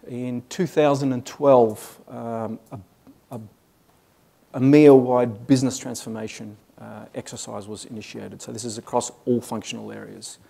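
A man's voice: medium pitch, steady tone, normal speed, vocal fry, warm tone, husky. A man in his forties with an Australian accent, giving a business talk at a conference with many fillers and restarts. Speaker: conference speaker. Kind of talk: business presentation. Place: conference hall stage.

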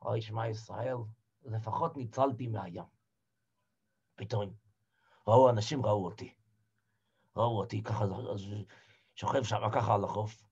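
An actor playing a shipwrecked old Hasid, telling his story in the first person and swinging from hushed murmurs to shouted cries. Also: lowish voice, gravelly, pauses often, husky, heavily acted. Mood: dramatic. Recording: dull lo-fi recording.

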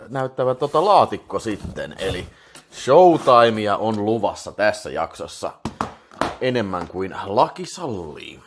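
Rowdy, swearing unboxing guy with lively pitch. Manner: loud, profane, mock-boastful, rambling with many fillers. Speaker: video unboxing host. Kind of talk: casual rambling unboxing commentary.

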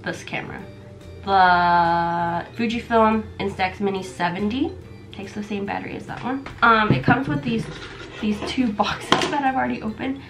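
Over soft background music, a vlogger in her twenties chats to the camera about her gifts in a casual unboxing vlog, set indoors in a small bedroom with camera shelves. Her mid-range voice is a bit bright and moderately paced, though she's sick with a stuffy nose, losing her voice, and uses many fillers.

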